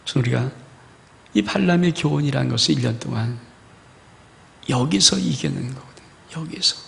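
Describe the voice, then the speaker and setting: A man's voice: mid-range voice, lively intonation, normal speed, vocal fry, fairly bright tone, in a large hall. A male pastor preaching a fervent sermon and reading scripture aloud to his congregation. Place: church sanctuary.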